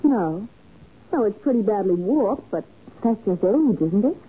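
An American detective's assistant, expressive and questioning, lively pitch, thin old radio recording. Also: female voice, measured pace, husky, phone-quality sound. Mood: curious. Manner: inquisitive, expressive, lightly skeptical. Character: curious, questioning young female detective's assistant. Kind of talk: 1940s radio drama acting. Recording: scratchy band-limited 1940s radio recording.

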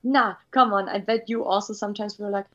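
A woman chatting casually on a podcast, teasing and quick with her comebacks. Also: mid-range voice, fairly even intonation, muffled recording. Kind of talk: casual chat.

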